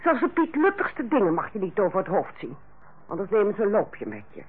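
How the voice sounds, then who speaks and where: Radio drama role: strict, fussy ward sister, high animated delivery, husky edge, dull old recording. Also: female voice, fairly quick. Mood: defensive. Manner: bossy, precise, matter-of-fact. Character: strict, fussy senior hospital nurse, Carla, on holiday. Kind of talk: old Dutch radio play acting.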